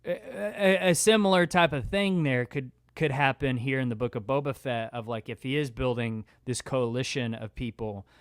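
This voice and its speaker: Guy cohosting a podcast, smooth clear voice, close dry sound, chats casually and says like a lot. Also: mid-range voice, dry recording. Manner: conversational, peppers speech with "like". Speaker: podcast co-host. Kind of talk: casual discussion.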